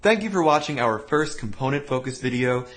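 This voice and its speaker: A man leads a voice lesson, explaining each exercise in a calm, clear, step-by-step way. His pitch moves around a lot as he talks. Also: brisk. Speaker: voice teacher. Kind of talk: instructional voice lesson.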